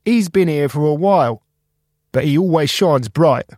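A kindly junkyard guide, cheerful and folksy, voiced by a man. His voice is lifted higher than a man's usual talk and moves with lively swings. It is recorded dry and close. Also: normal speed, no room sound. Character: friendly older male junk guide, cheerful and kind.

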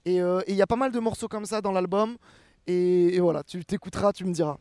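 Guest, twenties, French man; loose rambling talk, fillers, slightly high voice. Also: quick pace, no room sound, studio quality. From France. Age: 20s. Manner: relaxed, rambling, many fillers and restarts. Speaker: actor and rapper guest. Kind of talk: casual interview answers.

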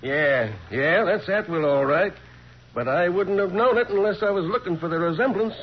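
An American actor playing a blunt, folksy sheriff in a 1940s radio crime drama, colloquial and exclamatory. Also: male voice, high voice, moderate pace, a little hiss or hum, close to an everyday voice. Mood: surprised. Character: blunt, folksy small-town sheriff, a man. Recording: dull 1940s radio recording.

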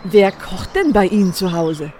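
A woman's voice: mid-range voice, very animated, unhurried, over music. An actress playing a chatty, nosy older female neighbour in a radio play, gushing and rambling. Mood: flustered. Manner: gushing, rambling, overbearing, judgmental. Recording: outdoor scene with birdsong.

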